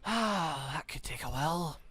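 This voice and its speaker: Bright, animated man reacting to a game. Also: fairly high pitch, unhurried, slightly rough, no echo. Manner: animated, casual, exclamatory reactions. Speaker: gamer reading a visual novel aloud. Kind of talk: let's play commentary with read-aloud dialogue.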